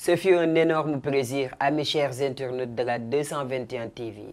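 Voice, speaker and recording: A man with an unremarkable speaking voice, fairly slow, with ordinary pitch variation and big swings in loudness. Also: fairly high pitch for a man. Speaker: slam poet and show host. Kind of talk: talk show hosting.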